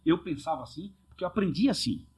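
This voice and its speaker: A man hosts a podcast as a pastor. He teaches from the Bible in a casual, earnest way and keeps asking his listeners rhetorical questions. His voice sits a little high and sounds husky. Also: expressive, quick pace, darkish tone.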